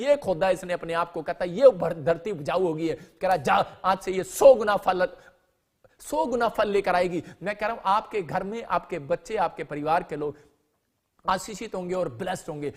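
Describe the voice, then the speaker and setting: A man with a high speaking voice delivers a live sermon as a preacher. He drives his points home through constant repetition and emphasis. Now and then he slips in humor. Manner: emphatic, repeats phrases, mixes in humor.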